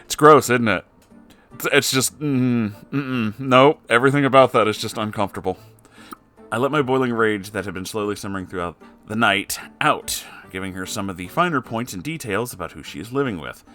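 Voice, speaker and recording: A man's voice: on the low side, a little fast, a bit bright, soft background music. A man reading a story aloud as a host, breaking in with wry, conversational asides.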